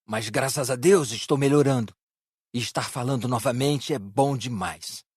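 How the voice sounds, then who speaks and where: A man playing a humble, resigned former soldier's spirit in a dramatised audiobook, husky and plainly confessional. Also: mid-range voice, normal speed, darkish tone, no room sound, clean studio sound, natural voice. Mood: grateful.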